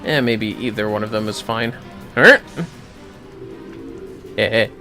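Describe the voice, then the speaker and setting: A man's voice: lowish voice, slow pace, sharp tone, faint music behind. A man giving casual, foul-mouthed commentary on a gaming livestream, muttering to himself with playfully theatrical outbursts.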